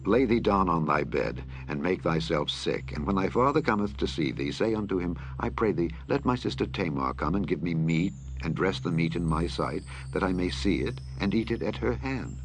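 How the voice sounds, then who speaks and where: A man's voice: low voice, expressive, moderate pace, hardly any pauses, slight background noise, rough recording. A man reading the lines of a crafty courtier, coaxing and questioning. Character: crafty male courtier giving advice.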